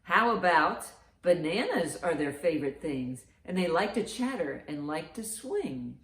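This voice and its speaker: A woman's voice: on the low side, very animated, a little slow. A woman reading aloud and posing riddles to young children as a storytime host, encouraging and big in her reactions. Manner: encouraging, exaggerated reactions to answers. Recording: roomy, echoing sound.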